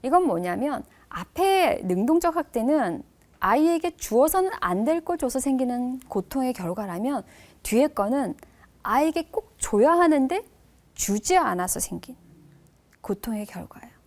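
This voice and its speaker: Woman professor lecturing with lively, expressive storytelling and a high, animated voice. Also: normal speed. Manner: expressive storytelling, drops to soft emphasis.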